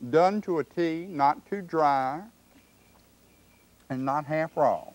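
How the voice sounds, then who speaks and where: A man's voice: on the high side, slow pace, a little mellow. Chatty folksy man hosting a cooking show. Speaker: host. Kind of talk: comic cooking show banter. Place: outdoor backyard cookout.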